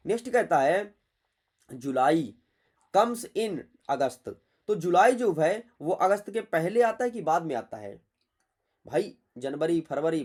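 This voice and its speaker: A man's voice: sits high, darkish tone. A man going through an exam paper as a teacher, chatty and scolding, repeating his points. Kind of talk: exam paper walkthrough lesson.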